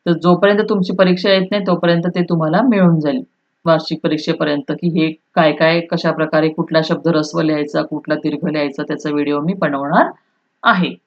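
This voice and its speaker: Low-voiced woman teaching Marathi grammar. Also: steady tone, brisk, highs cut off. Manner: explains step by step, often checks "right?", repeats key terms; switches into Hindi to restate points. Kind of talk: online school lesson.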